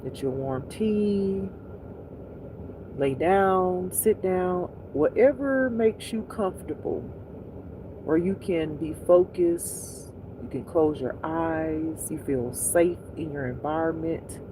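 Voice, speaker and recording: A livestream host speaks at a slow, lingering pace in an intimate pillow-talk style. The delivery is soothing and unhurried, repeating soft instructions to get relaxed. The voice sits at a medium pitch, with clear background noise humming behind it.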